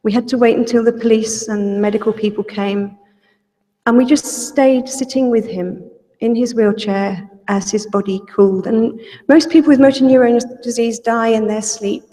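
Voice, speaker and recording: A woman giving a slow, steady, earnest personal account as a speaker on a panel. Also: a little high. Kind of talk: personal testimony. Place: public lecture hall. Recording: reverberant lecture hall.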